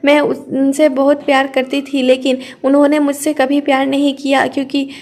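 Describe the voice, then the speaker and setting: A woman's voice: sits high, completely flat delivery, moderate pace, darkish tone. A woman voicing an innocent young sister who pleads through sobs in an audio story. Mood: tearful. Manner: sobbing and pleading.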